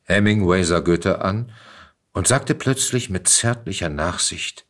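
A man reading literary prose aloud as an expressive narrator. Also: low voice, unhurried. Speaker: reader.

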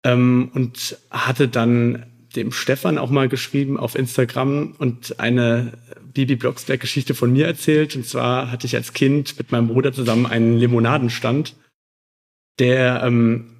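A man's voice: mid-range voice, fairly even intonation, moderate pace. A man in his mid-thirties from Germany, talking casually as a podcast guest and telling about himself. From Wiesbaden, Germany. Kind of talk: casual self-introduction and storytelling.

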